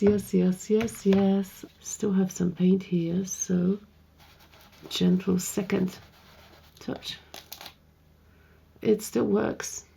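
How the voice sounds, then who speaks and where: Croaky gravelly woman teaching painting. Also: mid-range voice, slight background noise. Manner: chatty, thinks aloud while painting, soft asides. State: slightly hoarse, croaky voice. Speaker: art tutorial host. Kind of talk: casual painting tutorial narration.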